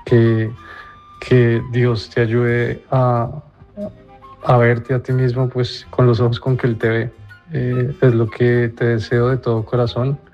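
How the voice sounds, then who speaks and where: Colombian guy leaving a msg, hesitant n earnest, mellow voice, muffled audio w/ soft music. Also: medium pitch. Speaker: call-in listener leaving a message, personal trainer. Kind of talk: casual spoken message.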